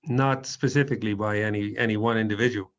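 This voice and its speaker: A man answering questions as a witness at an inquiry, quiet and cautious, giving brief answers. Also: lowish voice, steady tone, quick pace, lo-fi sound. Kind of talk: answering questions under oath.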